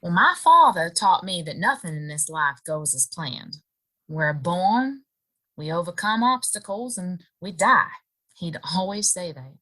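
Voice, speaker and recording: An actress playing a wistful young saloon woman in a Western audio drama, curious and hesitant, with expressive pauses. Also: fairly low pitch, exaggerated voice. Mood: reflective.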